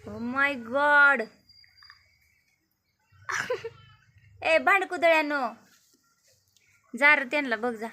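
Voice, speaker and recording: A woman's voice: high voice, expressive, very slow, pauses often, sharp tone. A woman films her pet cats at home and talks to them in teasing baby-talk. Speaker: vlogger, mother. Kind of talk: casual home vlog, talking to pet cats.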